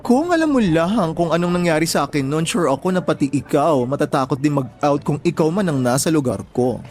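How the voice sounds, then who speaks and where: A man's voice: a little high, animated, fairly quick, a little mellow, natural voice. An actor plays a young gay Filipino man in an audio drama. He is campy and sassy, telling things theatrically in casual slang over a music bed. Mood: campy, guarded. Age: young adult.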